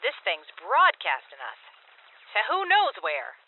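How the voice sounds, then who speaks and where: A woman's voice: on the high side, wildly swooping pitch, a little slow, phone-quality sound, slight background noise, full character voice. A woman playing a tough, brash female militia lieutenant with brusque, folksy talk in an audio drama. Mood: suspicious. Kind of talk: full-cast audio drama acting.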